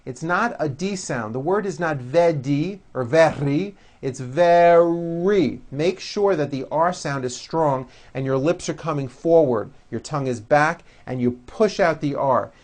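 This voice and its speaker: A man teaching English pronunciation, modeling words and sentences slowly and deliberately for learners to repeat. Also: a little high. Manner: slow, deliberate, over-articulated model words. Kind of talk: pronunciation drill lesson.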